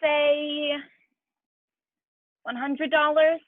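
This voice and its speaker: Radio play villain, played by a woman: courteous, stilted, quietly threatening, high pitch, narrow telephone-like sound. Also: level tone, drawn-out words, no room sound. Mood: wary, bargaining. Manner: formal, stilted, over-polite menace. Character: polite, shifty, menacing Greek man with pistol. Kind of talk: film noir radio play acting. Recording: thin, phone-like band-limited sound.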